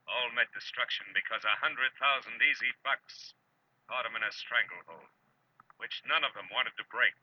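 An actor playing a hard-boiled, world-weary private eye who can turn tender, brooding and clipped in 1940s radio noir style. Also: male voice, medium pitch, normal speed, close to an everyday voice. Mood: punchy teaser. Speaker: lead actor and narrator of detective series. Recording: muffled, very noisy old radio recording.

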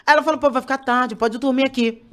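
Rowdy high-voiced Brazilian woman. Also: steady tone, fast, a bit bright. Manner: rowdy storytelling, swears a lot, laughs often. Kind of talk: casual chat among friends.

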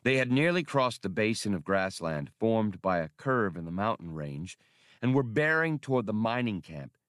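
A man's voice: lowish voice, sing-song, moderate pace, fairly bright tone, no room sound, studio quality. A man reading an adventure novel aloud as scripted narration. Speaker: audiobook narrator.

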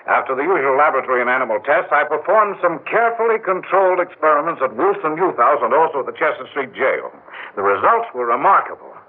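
A man's voice: fairly high pitch, big pitch swings, quick pace. An actor playing an earnest, driven scientist in a 1960s radio drama, who pleads his case with intensity. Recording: tinny old radio broadcast.

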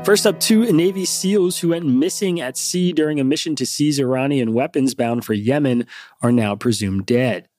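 A man hosting a news podcast, nasal and congested from a cold, reading headlines in a brisk, even way. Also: mid-range voice, faint music behind. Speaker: podcast host.

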